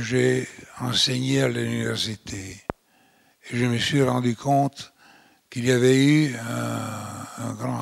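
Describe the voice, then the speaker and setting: A man's voice: medium pitch, gravelly, dry recording, studio quality. An older man from Italy speaking French with an Italian accent, giving a lecture with many fillers and restarts. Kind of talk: closing lecture.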